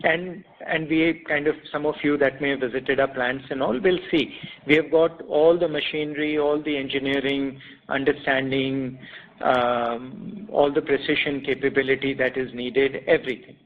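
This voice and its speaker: Indian executive on a tinny phone line. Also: male voice, mid-range voice, steady tone, moderate pace. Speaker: company executive. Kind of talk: answering questions on an earnings call. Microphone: conference call line.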